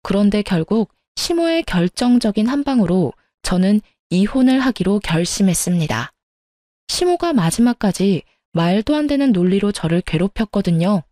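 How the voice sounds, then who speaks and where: A woman narrating a first-person true story for story radio. Her voice is mellow and unhurried, with an even, confiding delivery. The recording is dry and close, with no room echo. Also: medium pitch.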